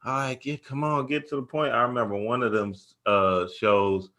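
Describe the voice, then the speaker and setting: A man's voice: mid-range voice, flat delivery, moderate pace, sharp tone. A man co-hosting a casual talk show, chatting in an enthusiastic, slangy and emphatic way.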